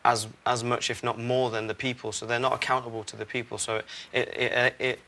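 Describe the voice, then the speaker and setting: A young man from Barbados, founder of a charity, answering interview questions earnestly with many "uh" pauses. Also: medium pitch, little pitch movement, gravelly, pushed and bright. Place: TV studio.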